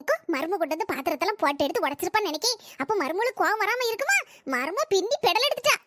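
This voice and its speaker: A woman's voice: extremely high pitch, expressive, rapid-fire, noisy background. A woman voicing a scheming neighbor who spreads gossip, in a cartoon comedy. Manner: breathless storytelling gossip.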